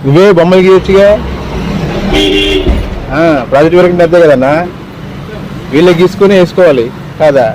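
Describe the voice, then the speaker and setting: Fast-talking dad vlogging over street noise. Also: male voice, on the high side. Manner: quick, chatty, coaxing kids along. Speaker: vlogger and father. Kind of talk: casual family vlog chat. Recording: noisy outdoor and street recording.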